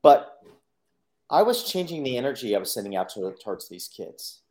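Male podcast guest, middle pitch, earnest personal storytelling with acted-out inner thoughts. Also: very animated, normal speed, darkish tone. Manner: earnest, acts out his own inner voice in quotes.

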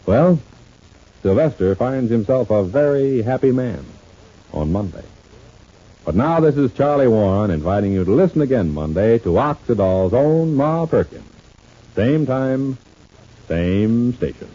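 Man, old radio announcer. Polished pitchman, husky, animated intonation, scripted copy, dull vintage radio sound. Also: unhurried. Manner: polished salesman delivery.

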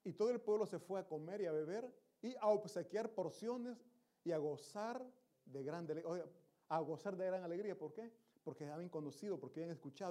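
A man's voice: high-pitched, dark tone. A male pastor preaching a Sunday sermon, exhorting the congregation and asking them questions. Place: church service.

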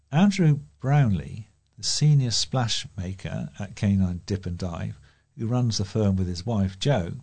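A man's voice: fairly low pitch, mellow, husky. A man reading local news stories aloud as a volunteer reader.

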